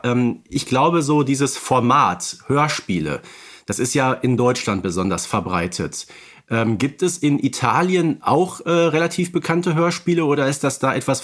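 Mid-pitched man hosting a podcast. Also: lively intonation, moderate pace, fairly bright tone. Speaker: podcast host. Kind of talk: casual chat.

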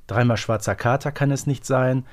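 A man's voice: medium pitch, moderate pace, a little mellow. A man co-hosting a podcast, playing a guessing game in casual chat and muttering to himself as he thinks. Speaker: podcast co-host.

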